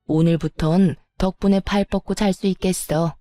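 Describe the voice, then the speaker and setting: A scheming, spiteful older mother-in-law, put on by a woman reading the story. Her tone is mellow and warm, and the recording is dry and close. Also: fairly low pitch, steady tone, normal speed, dry recording, faint music behind, close to an everyday voice. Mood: gloating. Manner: gloating, then fake wailing.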